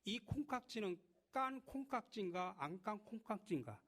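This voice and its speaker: A middle-aged man from Chungcheong, South Korea, preaching a sermon to his congregation with a lively, humorous, direct manner. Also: sits high, moderate pace. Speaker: pastor. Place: church.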